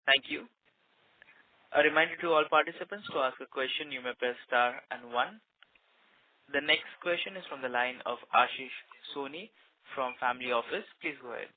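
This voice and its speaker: A man's voice: medium pitch, normal speed. A man working as a conference call operator, giving scripted announcements to participants. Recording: narrow phone conference line.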